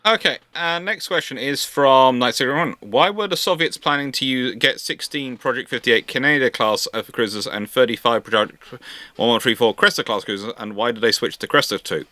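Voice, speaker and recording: A man's voice: mid-range voice, normal speed, sharp tone, dry recording. A man hosting an informal question-and-answer chat, often stammering and repeating words as he gets going. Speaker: host answering viewer questions. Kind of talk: live question-and-answer chat on naval history.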